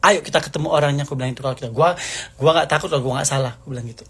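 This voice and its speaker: Speaking fast at a medium pitch with a breathy edge, a man rants angrily at the camera. He is heated and accusing, hammering the same points again and again.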